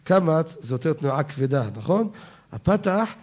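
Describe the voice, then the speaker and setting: A man with an Israeli Sephardi accent, a rabbi giving an animated Torah lecture who quotes his sources and slows down to spell out how words are pronounced. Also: on the high side, breathy edge. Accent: Israeli Sephardi Hebrew.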